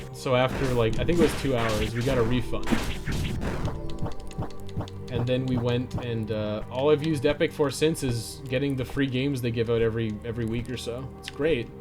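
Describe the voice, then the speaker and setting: Casual man streaming over loud music. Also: mid-range voice, fairly even intonation, normal speed, long pauses. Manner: informal, sweary. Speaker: game livestreamer. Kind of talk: casual chat while playing a game. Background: game music.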